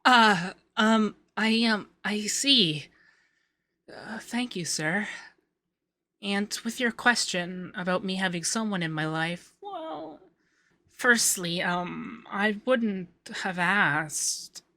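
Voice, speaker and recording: Bright, flustered young femboy tax man, acted by a man. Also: high voice, expressive, takes it slowly, exaggerated voice. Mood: shy, hesitant. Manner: stammering, shy, teasing. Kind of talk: ASMR roleplay, acted straight to the listener.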